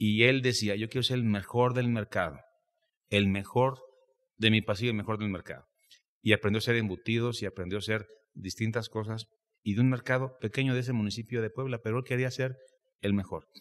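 Delivery is fairly quick, with fairly even intonation. There is a quiet background behind it. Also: man. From Mexico. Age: 50s. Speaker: meat industry business owner; podcast guest. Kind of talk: casual interview chat. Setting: industry congress. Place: studio. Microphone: studio mic.

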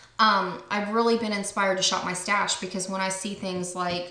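A woman talks at a moderate pace in a monotone, flat intonation. There is audible echo in the room. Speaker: beauty vlogger. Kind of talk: casual vlog chat.

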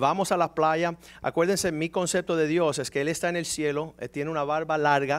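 Flat and monotone in intonation, a man speaks at a fairly high pitch. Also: moderate pace. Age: 40s. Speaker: guest preacher. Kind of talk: sermon. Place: church. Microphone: handheld.

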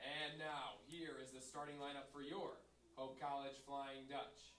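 Over light background noise and audible room echo, a man talks at a fairly high pitch. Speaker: stadium PA announcer. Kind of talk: reading lineups over PA. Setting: PA system. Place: stadium.

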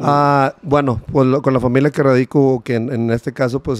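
A man's fairly even intonation, in a dry sound with no echo over a quiet background. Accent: northern Mexican. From Nuevo León, Mexico. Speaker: band percussionist and emcee. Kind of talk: casual interview chat. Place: studio. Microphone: studio mic.

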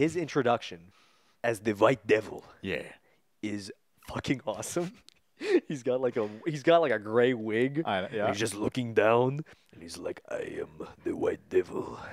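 A man's voice with big swings in loudness, dry with no echo, over a quiet background. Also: moderate pace. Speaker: podcast co-host. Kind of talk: casual podcast chat, movie review. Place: home room. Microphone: studio mic.

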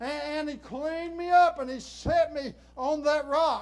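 A shouting man at an extremely high pitch and a fairly slow pace. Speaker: guest preacher. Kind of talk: fiery revival sermon with call-and-response amens. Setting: church. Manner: impassioned, building to shouted exhortations; folksy, repetitive, stammering restarts. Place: church.

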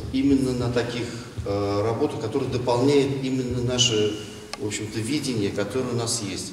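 At a moderate pace, a man speaks with fairly even intonation. There is audible room echo and light background noise. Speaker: filmmaker and ethnic association leader. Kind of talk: public speech. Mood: proud, earnest. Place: hall.

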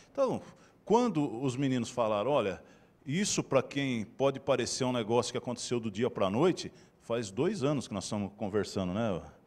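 A man with a plain, everyday voice, medium in pitch, at a moderate pace. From Brazil, São Paulo state (Bauru region). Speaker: sports and education institution official. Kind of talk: ceremony speech. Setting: city council chamber. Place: hall. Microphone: handheld.

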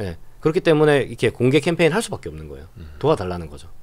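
Very fast male speech with very wide pitch swings and vocal fry. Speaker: asset management CEO and activist investor; guest. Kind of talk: interview. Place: studio. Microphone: studio mic.

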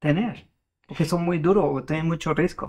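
A man with a French accent, ordinary pitch variation, and a quiet background. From France. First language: French (speaking Spanish). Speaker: economics professor; interviewee. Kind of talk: interview. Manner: halting, with many fillers and repetitions. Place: studio. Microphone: lapel.

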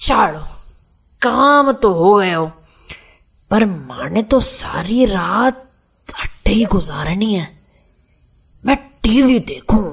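Using lively intonation, a woman with a fairly high pitch talks at a fairly slow pace with long, frequent pauses.

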